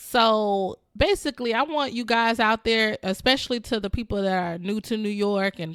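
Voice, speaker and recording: A woman's fairly high voice in a strong Southern US accent, with ordinary pitch variation, recorded very clean against a silent background, dry and close with no echo. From US South. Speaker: podcast co-host. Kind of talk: casual chat.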